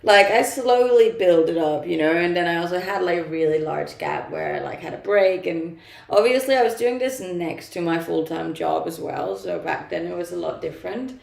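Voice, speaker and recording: A young Danish woman, a native Danish speaker, chats casually on a live stream, reading viewer comments aloud with frequent laughter and lots of fillers. Her voice sits on the low side and sounds gravelly, at a normal pace, with a reverberant sound.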